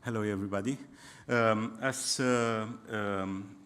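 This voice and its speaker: A man with a Romanian accent, a native Romanian speaker, giving a public astronomy lecture in English, pausing often and restarting as he searches for words. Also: on the low side, steady tone, fairly bright tone, smooth.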